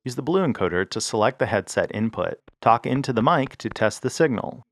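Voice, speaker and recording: A man narrating a scripted tutorial, giving clear step-by-step instructions. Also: mid-range voice, expressive, brisk, dry recording. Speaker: host of a music gear tutorial channel.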